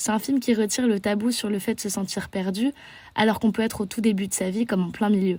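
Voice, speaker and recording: A woman with a French accent speaks very fast in a fairly high, somewhat breathy voice with a dark, mellow tone, recorded very cleanly against a silent background. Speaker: podcast host. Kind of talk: film review podcast. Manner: calm, measured.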